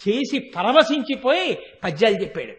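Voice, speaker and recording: A man's voice: very high voice, sing-song, normal speed, big-room sound. A man giving a Hindu devotional discourse, telling the story with passion and breaking into chanted verses. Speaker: devotional speaker.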